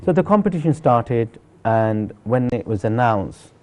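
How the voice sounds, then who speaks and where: Animated yet unhurried, a warm mid-range male voice belongs to a middle-aged celebrity chef from Sylhet, Bangladesh. He is an interview guest earnestly recounting his own experiences conversationally, with emphatic, repetitive phrasing.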